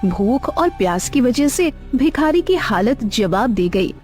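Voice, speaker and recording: A woman narrating a cartoon story in an expressive, dramatic way. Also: a little high, unhurried, faint music behind.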